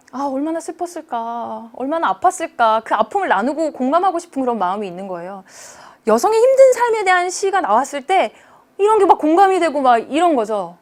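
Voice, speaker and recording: A woman teacher lecturing with a bright, fairly high voice that leaps up and down in pitch. She keeps her students engaged and often stops to check that they are following. Her delivery is lively and expressive throughout.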